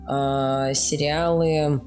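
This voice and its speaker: A woman's voice: sits low, little pitch movement, extremely slow, darkish tone. A woman giving explanatory interview answers, going step by step and often checking she is followed. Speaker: animation studio production executive interviewed as guest. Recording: roomy echo with faint music behind.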